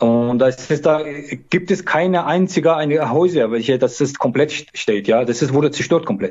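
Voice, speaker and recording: Hardly pausing, a man with an Azerbaijani accent speaks at a moderate pace and fairly high pitch with ordinary pitch variation. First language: Azerbaijani (speaking German). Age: 30s. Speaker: social worker. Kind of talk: interview. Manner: halting.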